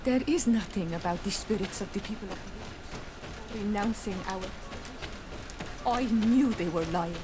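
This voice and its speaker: A woman's voice: medium pitch, normal speed, pauses often, noisy background, close to an everyday voice. An actress playing a proud, earnest young tribal woman in a fantasy game, with a firm way of speaking. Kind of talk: scripted game dialogue acting.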